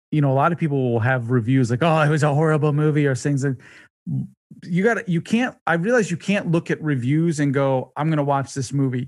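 A man's fairly high voice at a fairly quick pace, with ordinary pitch variation and very even loudness, on a very clean recording with a silent background. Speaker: podcast host. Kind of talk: casual conversational interview. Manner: upbeat, energetic.

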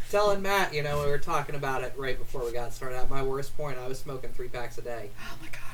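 Over noticeable background noise, a man with an American accent talks at a very fast pace with hardly any pauses. His pitch is fairly high, with ordinary variation. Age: 30s.

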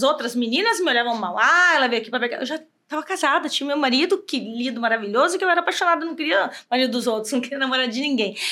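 A raised, projected voice with a bright, sharp tone rushes along at a very fast pace with lively intonation. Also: woman. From Brazil, Ponta Porã (Mato Grosso do Sul). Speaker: Brazilian expat living in Italy, event organizer and former dance teacher. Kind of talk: casual interview chat, storytelling. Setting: podcast studio with several hosts.

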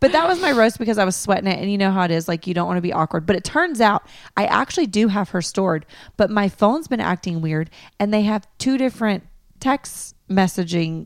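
A woman with an American accent talks at a fairly quick pace with lively intonation. Hers is an unremarkable speaking voice at medium pitch, on a very clean recording with a silent background. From US Southeast. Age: 30s. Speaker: podcast co-host. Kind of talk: casual chat.

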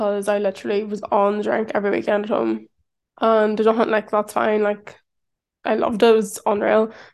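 In a Northern Irish accent, a woman speaks with a nervous tone, a fairly high pitch and monotone, flat intonation. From Northern Ireland. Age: 20s. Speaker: podcast host. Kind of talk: solo monologue.

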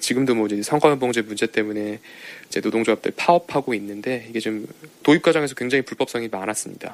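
A man with a medium pitch and ordinary pitch variation talks at a very fast pace, in a dry, close sound with no echo. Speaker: legislative aide. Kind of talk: field interview.

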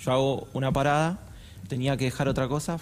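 Speaking at a moderate pace with a medium pitch, a man has a plain, everyday voice. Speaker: motorcycle courier. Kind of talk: radio phone-in interview.

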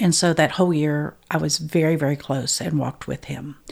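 This woman has a very deep, low pitch with vocal fry and ordinary pitch variation, at a moderate pace. The recording is very clean and the background silent. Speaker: pastor. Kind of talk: casual interview conversation.

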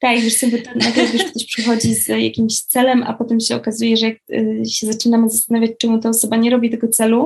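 Speaking very fast, a woman barely pauses at all. Her fairly high pitch stays monotone and flat. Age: 30s. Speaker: life coach. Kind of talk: interview.

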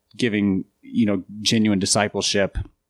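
Speaking fairly slowly with an American accent, a man with a fairly low pitch has an ordinary speaking voice and fairly even intonation, captured in a very clean, dry, close recording with a silent background and no echo. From US Upper Midwest, Minnesota. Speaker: pastor and author. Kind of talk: casual interview chat. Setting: indoors by a fireplace, recorded at camp.

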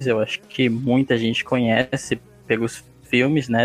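A man at medium pitch with fairly even intonation and a very slow pace, music in the background. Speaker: author and podcaster. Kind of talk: casual interview.

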